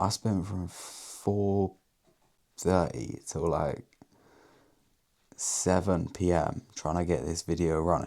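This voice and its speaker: A very deep, low male voice with an English accent, very slow with long, frequent pauses, on a very clean recording with a silent background. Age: young. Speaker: day trading vlogger. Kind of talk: casual monologue vlog. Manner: casual.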